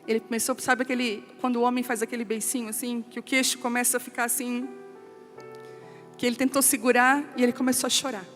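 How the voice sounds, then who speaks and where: A woman pastor giving an emotional testimony sermon, telling a family story and quoting relatives in a softer voice. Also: on the high side, level tone, fast talker. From Brazil. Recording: long hall reverb with soft music.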